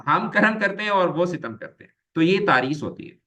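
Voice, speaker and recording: A man's voice: sits high, expressive, normal speed, pushed and bright. A man teaching an online grammar lecture, explaining patiently, repeating key terms and mixing English words into his explanations.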